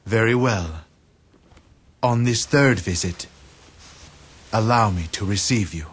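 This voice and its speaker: A man voicing a calm, wise strategist who speaks in a measured, soft-spoken way in a video game cutscene. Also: lowish voice, husky.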